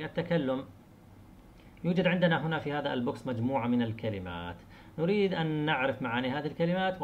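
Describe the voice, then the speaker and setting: A man teaching an English lesson to students, explaining in Arabic and reading English examples slowly, repeating words to show stress. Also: medium pitch, slight background noise.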